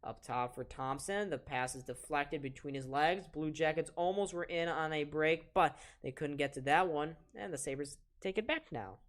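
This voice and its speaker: An eighteen-year-old man with a soft voice, casually calling live hockey play-by-play on a stream and chatting with viewers between plays. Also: on the high side, moderate pace, hardly any pauses. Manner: chatty, reads chat aloud and talks to viewers between plays. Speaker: play-by-play commentator and stream host.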